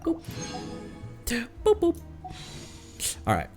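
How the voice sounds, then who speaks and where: A man's voice: drawn-out words, a little mellow, soft background music. A man chatting casually on a live game stream, thanking viewers and laughing often.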